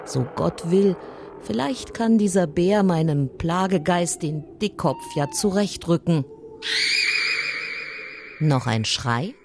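A woman narrating a folk tale in an expressive, lively storytelling manner. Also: sits low, very noisy. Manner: expressive, lively storytelling with raised voice for quoted characters.

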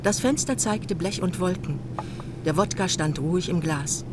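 A woman's voice: on the low side, moderate pace, noisy background, lightly acted. A woman playing a detached, matter-of-fact literary narrator in a radio drama, reading precisely.

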